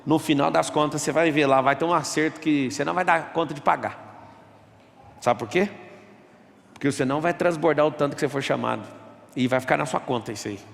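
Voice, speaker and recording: A man's voice: fairly high pitch, quick pace, gravelly, long reverb tail. A man giving an emphatic motivational talk in an auditorium, taking questions from the audience. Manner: emphatic, rhetorical, quotes people in voices. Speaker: speaker at a live event.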